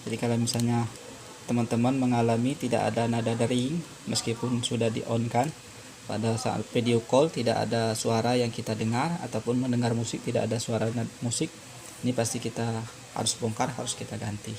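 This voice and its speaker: A man narrating an informal hands-on repair tutorial as presenter, explaining step by step in a halting way with frequent pauses. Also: mid-range voice, flat delivery, gravelly, background noise.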